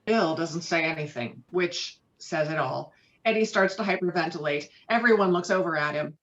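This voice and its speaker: Low-voiced woman reading stage directions. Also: moderate pace. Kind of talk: scripted narration at a table read. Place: remote virtual table read on a call. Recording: dull lo-fi video call audio.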